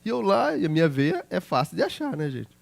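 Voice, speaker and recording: A middle-aged pastor preaches with a slightly high, gravelly voice. His pitch swings widely as he tells chatty personal stories. He keeps turning to the congregation to check they are with him. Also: sing-song, fairly quick. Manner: chatty storytelling, checking in with listeners. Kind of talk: sermon with personal anecdotes.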